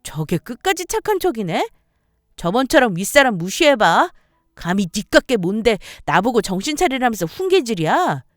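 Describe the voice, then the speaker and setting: Woman acting a nasty entitled sister-in-law, yelling insults, story radio drama, dry recording. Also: a little high, very animated, normal speed, no echo, pitched above the performer's own voice. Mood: sneering. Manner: shouting insults, loud and belligerent.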